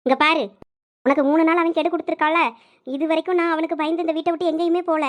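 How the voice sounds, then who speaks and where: A woman's voice: very high-pitched, level tone, fast talker. A woman voicing an older female servant in a cartoon, firm and reassuring, with a Thoothukudi Tamil accent.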